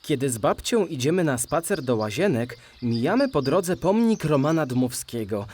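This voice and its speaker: A man playing a curious, eager young male cartoon animal in a children's audio drama, inquisitive and expressive. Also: a little high, moderate pace, a little hiss or hum.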